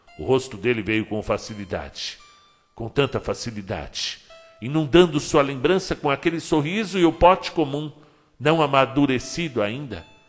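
With music in the background, a man speaks at a moderate pace and a fairly high pitch, his intonation lively. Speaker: audiobook narrator. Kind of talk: horror audiobook reading.

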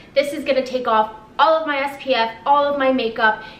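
Over light background noise and with audible room echo, a woman talks at a moderate pace with ordinary pitch variation. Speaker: beauty vlogger. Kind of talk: sponsored product review vlog. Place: home room.

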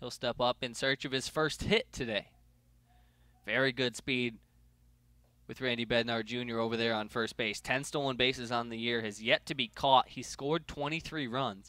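A man speaks in a bright, sharp, upbeat and enthusiastic tone, recorded dry with no echo against a quiet background. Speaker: baseball play-by-play broadcaster. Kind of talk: live baseball play-by-play commentary. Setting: stadium broadcast booth, solo on the call. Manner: fast, fluid, energetic play-by-play patter, calling each pitch and count; conversational and upbeat, enthusiastic about big plays and stats.

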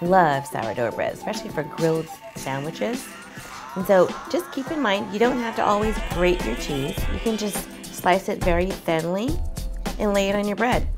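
Clear background music behind a woman talking at a moderate pace. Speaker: home cooking show host. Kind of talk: tutorial. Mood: warm and enthusiastic. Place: kitchen. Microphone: lapel.

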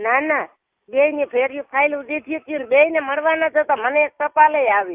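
The loudness swings widely while the pitch varies an ordinary amount. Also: woman, high pitch for a woman. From Gujarat, Upleta area. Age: 60s. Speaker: caller, farm labourer. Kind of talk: phone complaint. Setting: phone call. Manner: halting.

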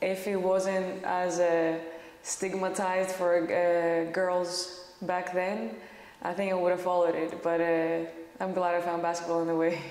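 A woman with a Greek accent speaks at a fairly slow pace in a fairly low pitch, her intonation flat and monotone, with audible room echo. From Greece (Athens); Greece. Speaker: professional basketball player. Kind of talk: interview. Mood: warm, smiling. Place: empty room. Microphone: lapel.

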